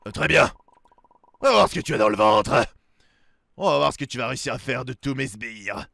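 A man voicing a menacing, gloating demon monster from a video game in a slow, booming villain monologue. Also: expressive, vocal fry, pushed and bright, no room sound. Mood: threatening. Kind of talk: dramatic read-aloud of video game dialogue.

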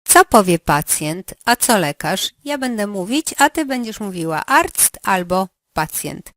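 A woman running a language lesson, giving slow, carefully articulated prompts for the learner to answer. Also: medium pitch, big pitch swings, fairly bright tone, no echo, studio quality. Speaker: language teacher.

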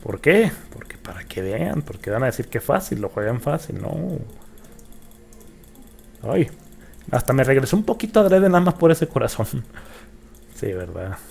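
Excitable gamer with a gravelly voice. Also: male voice, medium pitch, normal speed, long pauses. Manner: excitable, swears and yelps at the game. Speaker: gaming YouTuber. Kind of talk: let's play commentary.

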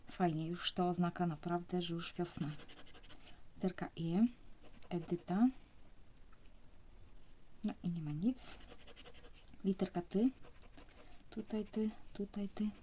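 Young woman, hushed casual commentary, mellow dark tone. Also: fairly low pitch, a little hiss or hum. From Poland. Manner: speaks softly, often near a whisper. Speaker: vlogger scratching lottery tickets.

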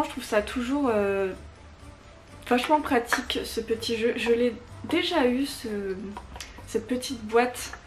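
A young woman chatting casually through a gift review vlog, enthusiastic and full of little hesitations, filmed at home. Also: a little high. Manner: chatty, frequent hesitations, enthusiastic about small items. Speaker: YouTuber reviewing gifts. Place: home room full of fairy lights.

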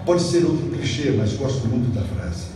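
A man's voice: medium pitch, sing-song. Middle-aged man, motivational speech. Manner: measured, emphatic, with dramatic pauses. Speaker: motivational speaker. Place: video on a screen in a dark event hall. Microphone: phone filming the screen from the audience. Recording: echoey hall from far off with music.

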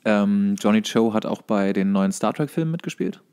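A man's voice: fairly low pitch, animated, normal speed, darkish tone, clean tone. A young man co-hosting a podcast in casual conversation. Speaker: podcast co-host. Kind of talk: casual chat.

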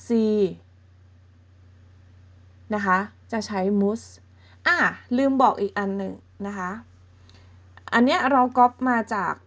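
A woman gives a beginner language lesson at an unhurried, measured pace. Her voice sits a little high, and she walks through each step patiently, often pausing to check that listeners follow. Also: animated. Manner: patient, explains slowly and checks in with softening particles. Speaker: German language teacher.

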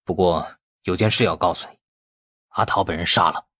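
A man's voice: low-pitched, moderate pace, a bit bright, breathy edge, no room sound, studio quality, voice pushed down. A man voicing a young fugitive, loyal and vengeful, in audiobook dialogue. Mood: guarded, uneasy.

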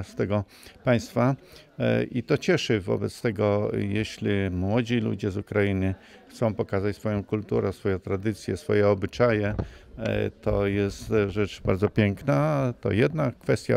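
A man in his sixties answering an interviewer's handheld microphone indoors, speaking in a measured way with frequent hesitations. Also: fairly low pitch, gravelly, darkish tone. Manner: measured, with many hesitation sounds. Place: indoor hall. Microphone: handheld interview mic.

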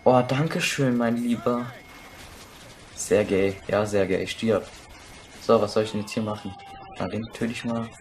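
A young man giving crude, excitable commentary while playing a shooter, swearing and shouting at enemies. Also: on the low side, a little slow, pauses often, a little hiss or hum. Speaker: let's play gamer. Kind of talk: casual gameplay commentary.

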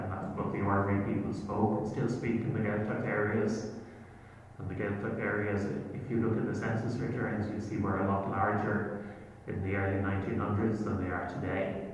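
An Irish man with a fairly low voice gives a relaxed, rambling lecture on history to a gathering. The sound is distant and muffled, and a long echo hangs in the hotel function room. Faint room noise sits underneath. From Ireland. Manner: relaxed, digressive storytelling. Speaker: genealogy lecturer. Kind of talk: public lecture with slides. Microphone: laptop screen recording, far from speaker. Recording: echoey distant hall audio.

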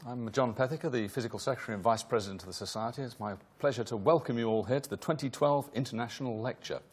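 A man's voice: medium pitch, fast, husky. A man welcoming an audience to a lecture in a hall, rambling a little with fillers and self-corrections. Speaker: host introducing a lecture. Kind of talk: formal welcome and housekeeping.

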